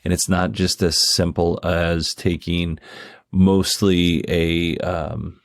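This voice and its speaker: A man with a distinctly low voice talks casually as a commentator, close and dry in the recording. He explains things conversationally and shares his opinions freely. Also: little pitch movement, slow pace, gravelly, dry recording. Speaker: host commentator. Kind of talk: casual commentary on a company earnings call.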